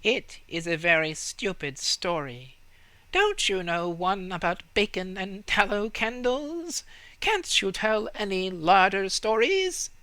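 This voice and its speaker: Guy as a snooty greedy rat in a fairy tale, high voice, brusque and dismissive. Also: big pitch swings, takes it slowly, bright, forceful tone, no room sound, exaggerated voice. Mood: scornful. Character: blunt, scornful rats greedy for larder stories.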